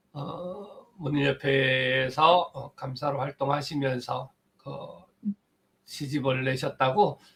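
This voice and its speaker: A man with a fairly high pitch speaks very slowly and with fairly even intonation, leaving long, frequent pauses. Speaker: clinic director, book club member. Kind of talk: book presentation.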